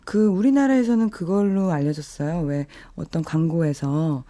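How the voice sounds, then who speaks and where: A woman's voice: low-pitched, moderate pace, dark tone, no echo. A woman talking about songs as a radio guest, in a polite, reflective and appreciative conversational style. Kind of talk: soft conversational music talk. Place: radio studio. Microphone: close studio microphone.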